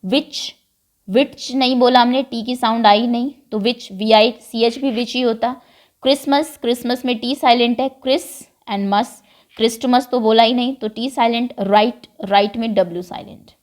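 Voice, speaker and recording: A woman's voice: on the high side, steady tone, moderate pace. Patient woman teaching English. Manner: mixes English phrases into Hindi explanation, patient. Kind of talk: explaining a worksheet to pupils.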